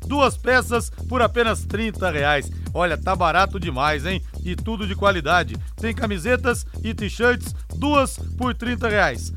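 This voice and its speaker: A man from a radio sports show, hosting and reading an ad as an infomercial-style sales pitch. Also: lively intonation, a little slow, few pauses, over music.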